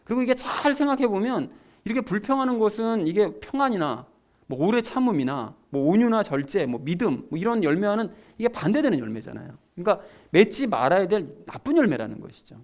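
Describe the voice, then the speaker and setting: A man's voice: sits high, sing-song, fast talker, darkish tone. A man preaching a sermon as pastor, talking conversationally and emphatically to his congregation.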